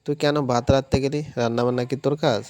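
A man voicing a gentle young man who speaks with soft sympathy. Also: medium pitch, fairly even intonation, quick pace, dry recording, close to an everyday voice. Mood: tender.

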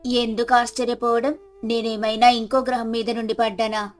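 A woman's voice: fairly high pitch, little pitch movement, normal speed, natural voice. An earnest village wife from a moral storybook, played by a woman narrator, speaks. Light music plays behind. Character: lazy village wife turning earnest and hardworking.

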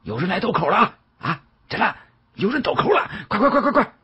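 A man voicing an excitable onlooker in an audiobook, calling out urgently to rally others. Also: high voice, brisk, breathy edge, highs cut off, pitched above the performer's own voice, heavily acted. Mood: excited.

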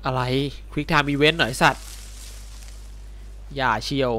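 A male game streamer doing casual let's-play commentary, excitable and swearing as he reacts. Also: mid-range voice, slow.

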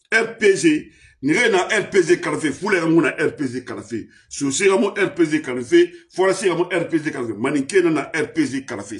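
Male commentator, fiery rant, high-pitched, voice set back from the mic. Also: distant mic. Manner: shouting accusations, swinging between loud and low. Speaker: political commentator. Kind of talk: impassioned political rant.

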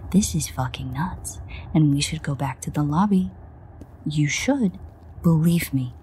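A woman playing a sardonic, exasperated vampire in an audio roleplay, grumbling and swearing in a husky near-whisper. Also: low-pitched, animated, measured pace, dark tone, a little hiss or hum, poor audio. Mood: weary, grumbling. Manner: sarcastic, profane, grumbling. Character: sardonic, exasperated female vampire, reluctant ally. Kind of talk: audio roleplay addressed to the listener.

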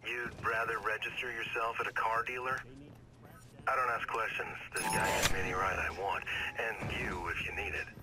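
Sardonic game fixer, lowish voice, offhand and slick, on a phone call with street noise. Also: male voice, fairly even intonation, moderate pace. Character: flippant, sarcastic male criminal fixer in an action game.

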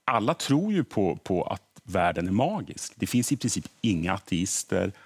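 Husky low-voiced middle-aged man explaining. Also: very animated. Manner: earnest, repeats words as he explains. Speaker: history podcaster guest. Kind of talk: explanatory studio interview. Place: TV morning show studio.

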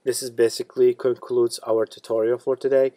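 A man hosting a step-by-step tech tutorial in a plain, steady instructional manner. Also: medium pitch, fairly quick, dry recording. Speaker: tutorial host.

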